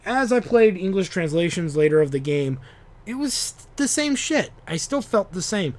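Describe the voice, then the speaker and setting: A man with a slightly higher voice rambles about old games in a loose monologue. He swears freely and keeps restarting his sentences. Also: sing-song, moderate pace, a little mellow. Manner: rambling, profane, restarts often. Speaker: video game talk show host. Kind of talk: casual monologue.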